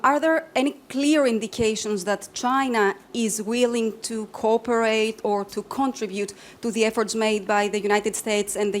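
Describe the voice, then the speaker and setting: A woman journalist puts a question to officials in a quick, direct way. Her voice is somewhat high. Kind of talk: asking a press question.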